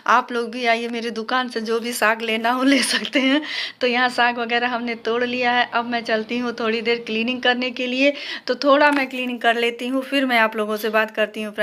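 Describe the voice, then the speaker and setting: A woman's voice: fairly high pitch, flat delivery, moderate pace, a bit bright. A woman from India, chatting with viewers in a casual home cooking and cleaning vlog from her kitchen. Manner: chatty, addresses viewers directly, frequent restarts. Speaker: vlogger.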